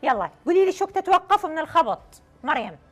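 Young female Iraqi-accented game show host, playful and effusive, high swooping voice, faint music behind. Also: big pitch swings, fast, fairly bright tone. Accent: Iraqi Arabic. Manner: playful, effusive, repeating phrases in welcome and banter. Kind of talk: lively game show presenting. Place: TV studio.

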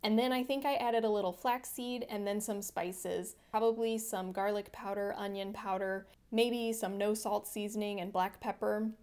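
A woman's voice: medium pitch, fairly even intonation, moderate pace, few pauses, a little mellow, clear, resonant tone. A woman hosting a home cooking channel, narrating her meals in a friendly, chatty voice-over that explains each step. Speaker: vegan cooking channel host.

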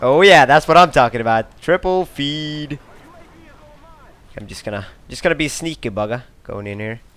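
A young man from Sweden giving live gameplay commentary, excitable and swearing often, with sudden outbursts. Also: medium pitch, moderate pace, clean tone.

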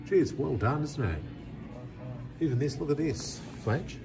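A man's voice: fairly high pitch, measured pace, over music. A man in his fifties with an Australian accent, chatting casually to a phone camera about a road trip. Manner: relaxed, chatty, easily impressed. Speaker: travel vlogger. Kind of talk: casual travel vlog narration. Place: in and around a car, outdoors on a road trip. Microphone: phone camera held at arm's length.

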